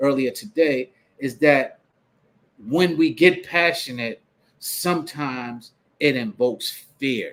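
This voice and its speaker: Here a man speaks with a fairly high pitch. His intonation is lively. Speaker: vlogger giving life advice. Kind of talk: casual monologue. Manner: loud, passionate.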